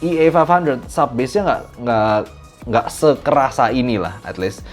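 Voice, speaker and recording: A man from Indonesia giving a casual, animated spoken review of audio gear, mixing in English phrases. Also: medium pitch, unhurried, soft background music.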